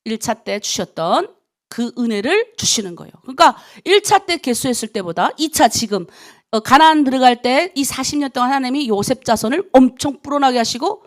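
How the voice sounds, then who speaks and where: A woman's voice: high voice, animated, a little fast. A middle-aged woman pastor preaching at a dawn prayer service, acting out her own prayers and her husband's words as she goes.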